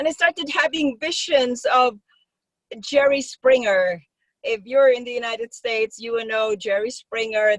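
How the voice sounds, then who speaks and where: At a moderate pace, a woman with an unremarkable speaking voice and a fairly high pitch talks with ordinary pitch variation. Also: dry, close sound with no echo. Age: 60s. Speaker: storyteller. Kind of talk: personal story told to online audience.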